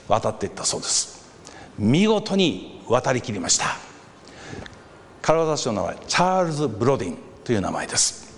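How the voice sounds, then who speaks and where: A man preaching a sermon, telling a story and acting out the voices of a crowd with lively animation. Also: medium pitch. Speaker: pastor. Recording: reverberant hall with faint background noise.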